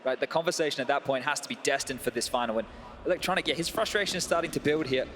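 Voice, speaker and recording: A man's voice: mid-range voice, very fast. A man working as an esports caster, giving live match commentary and analysis in a conversational, reactive way. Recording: noisy game audio behind voice. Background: game sounds.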